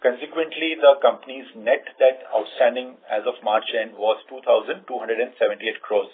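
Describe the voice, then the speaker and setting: A man with an Indian accent speaks over a narrow, phone-like conference line. His voice is slightly rough and husky as he delivers a formal financial report, reading figures in a measured way. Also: medium pitch, steady tone. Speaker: company executive presenting financial results. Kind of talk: formal scripted earnings report. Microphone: conference call line.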